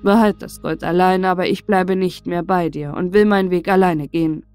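Fairy-tale saint played by a woman: stern older-brother authority, male, measured, admonishing. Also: fairly low pitch, fairly even intonation, darkish tone, clear, resonant tone, dry recording, faint music behind, lightly acted. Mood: resigned. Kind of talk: fairy-tale storybook character voice.

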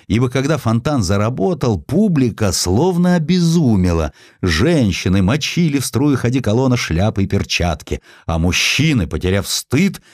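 A man narrating a historical sketch as an audiobook, telling it expressively and slowing down for quoted lines. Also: dry recording, studio quality. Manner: expressive storytelling, voices quotes with shifts of pitch and slowing down.

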